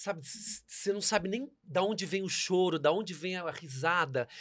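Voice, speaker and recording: In a high-pitched voice, a man talks at a moderate pace with ordinary pitch variation. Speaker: musical theatre actor. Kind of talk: casual chat. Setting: studio.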